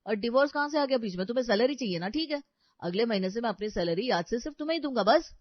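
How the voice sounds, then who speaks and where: A man's voice: very high voice, lively intonation, fast talker, dry recording. A man voicing a mild, apologetic young husband in a cartoon story, trying to keep the peace. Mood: placating. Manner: apologetic and placating. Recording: dry, slightly dull audio.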